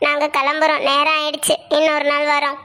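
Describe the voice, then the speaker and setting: A woman voicing a firm, decisive grandmother who speaks in a steady, reassuring way. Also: sits high, fairly quick. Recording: soft music underneath.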